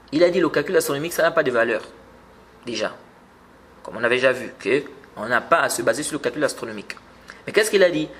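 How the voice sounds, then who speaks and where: This Islamic teacher's voice sits a little high and has a fairly bright tone. He delivers a religious lesson with patience, repeating words and letting his voice rise whenever he stresses a point.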